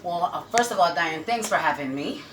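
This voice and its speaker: A woman's voice: fairly low pitch, expressive, a little fast. A woman telling her story casually as an interview guest, recorded in an echoey, noisy space. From Jamaica. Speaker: restaurant owner, interview guest. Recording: echoey room with loud-ish background noise.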